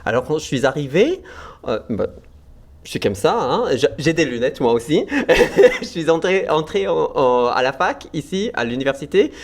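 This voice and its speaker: Enthusiastic American host with Québécois touches. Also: male voice, fairly high pitch, very animated, normal speed. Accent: American, with some Québécois French. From United States, Vermont. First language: English. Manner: enthusiastic, hesitant with restarts. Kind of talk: casual interview talk.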